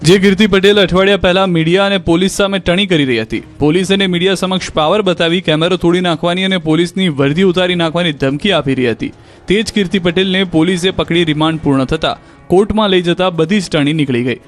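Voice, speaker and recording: A man reading a news voice-over at a brisk clip, his pitch sitting a little high. His delivery is emphatic and pointed, with faint music running underneath. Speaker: news narrator.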